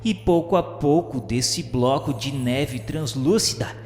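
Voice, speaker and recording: Man narrating solemnly in deep reverb. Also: slow pace, a little mellow. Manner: formal, reverent delivery. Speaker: narrator of a spiritist radio novela. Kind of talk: solemn scripted literary narration. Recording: echoey reverberant hall sound, music underneath. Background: music.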